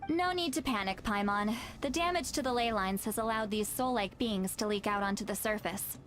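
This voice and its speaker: A woman's voice: medium pitch, moderate pace, a bit bright, natural voice. A woman playing a blunt, solemn tribal shaman in a video game, explaining with authority over music. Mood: reassuring. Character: Citlali, blunt, solemn female tribal shaman, knowing and commanding.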